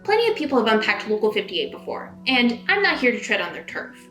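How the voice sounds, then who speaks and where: A woman's voice: fairly high pitch, sing-song, quick pace, fairly bright tone. A woman hosting and narrating a scripted video essay in a conversational way, leaning into dramatic emphasis. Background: background music.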